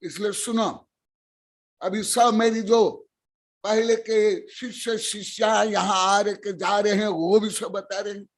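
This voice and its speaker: Older man preaching, high-pitched and slow, scolds and questions the listeners. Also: steady tone. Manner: scolding, questioning the audience, bursts of loud emphasis. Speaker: Jain monk teaching scripture. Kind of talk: sermon to lay listeners.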